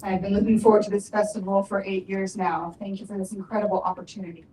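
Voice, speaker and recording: A woman voicing deaf panelists' introductions as a sign language interpreter, speaking in measured short phrases. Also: medium pitch, flat delivery, dark tone. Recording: roomy, distant, faint ambient noise.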